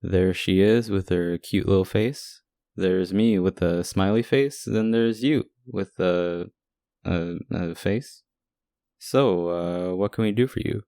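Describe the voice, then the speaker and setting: Guy playing a sweet jokey boyfriend, asmr roleplay, really low voice, close dry sound. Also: slow, no echo. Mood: upbeat, wry. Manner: teasing, sweet, gently joking. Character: affectionate, playful young boyfriend visiting hospitalised partner. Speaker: audio roleplay voice actor.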